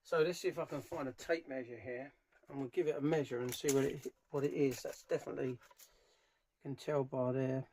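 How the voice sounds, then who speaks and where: Speaking at medium pitch in a steady tone and at a fairly quick pace, this middle-aged man offers casual, hands-on narration as he works. He restores speakers himself and is presenting a how-to video, thinking aloud with his hands busy. The setting is a small, cluttered workshop indoors, captured clearly along with background noise and handling clicks.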